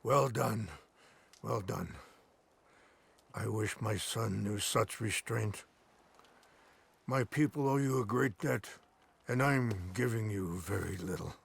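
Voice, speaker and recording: A calm, gravelly tribal leader. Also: male voice, lowish voice, heavily acted. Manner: measured, formal and gentle. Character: dignified, calm male tribal elder and leader. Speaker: tribal chief. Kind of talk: video game cutscene dialogue. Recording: orchestral game score behind.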